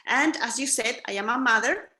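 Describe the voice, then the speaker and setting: A woman in her forties from Chile, a teacher and author, speaking as an interview guest in an unhurried, modest way with soft laughs. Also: fairly high pitch. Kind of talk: casual interview chat. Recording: roomy echo.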